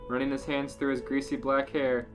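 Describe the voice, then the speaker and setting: A podcast co-host with a medium-pitched, level voice reads out comic fan fiction as narrator at a moderate pace, with music playing under his voice.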